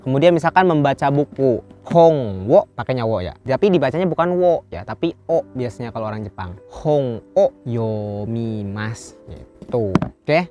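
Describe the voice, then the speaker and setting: A man from Indonesia teaching Japanese in a casual lesson, explaining step by step and slowing down to repeat phrases. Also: medium pitch, a little mellow. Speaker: Japanese language teacher, channel host.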